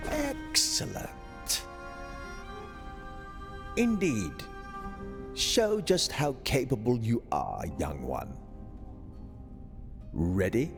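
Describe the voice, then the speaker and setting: A man's voice: medium pitch, huge pitch swings, vocal fry, over music, exaggerated voice. An actor playing a patient, older exiled physician in a video game, musing and teasing as he sets challenges. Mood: pleased, teasing. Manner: slow, musing, teasing, dramatically swooping delivery.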